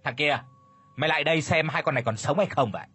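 A man's voice: fairly high pitch, fast talker, sharp tone, breathy edge. A man voicing a brutal older landlord who curses and bellows at his servants. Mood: furious. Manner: bellowing, cursing.

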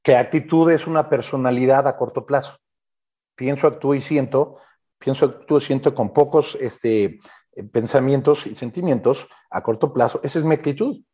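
A man speaks as a guest coach in an interview. His voice is mid-pitched and rather husky. He explains things informally, using examples and rhetorical questions. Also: moderate pace, dark tone.

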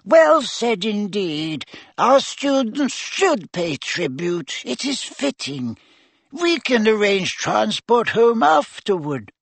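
A man puts on a tiny old wizard professor whose squeaky voice sits high above an ordinary man's. The delivery is fussy and precise, with every word placed just so. The sound is breathy and dry, close to the mic. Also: big pitch swings, slow pace, no echo, full character voice. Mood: eager.

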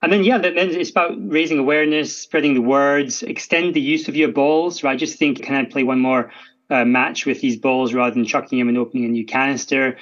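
A man's voice: medium pitch, steady tone, fairly quick, a bit bright, muffled recording. A Scottish man speaking as a guest expert in a podcast interview, chatty, often tagging sentences with "right?". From Scotland. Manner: chatty, frequent "right?" tags and restarts.

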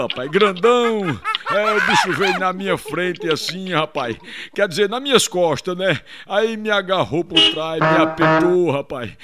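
A man voicing a slow, simple-minded country fellow in a deep voice, heard over a noisy background.

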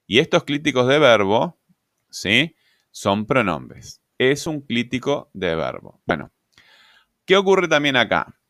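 Low-voiced man teaching grammar. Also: a bit bright, dry recording, clean studio sound. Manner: explanatory, asks rhetorical questions, frequent "¿verdad?" and "este" fillers. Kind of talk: recorded grammar lecture.

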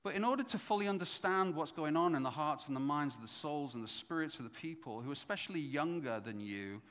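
A middle-aged man preaching a sermon as pastor, swinging from loud emphatic points to low asides. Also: expressive, fast talker. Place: church hall. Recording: echoey church hall.

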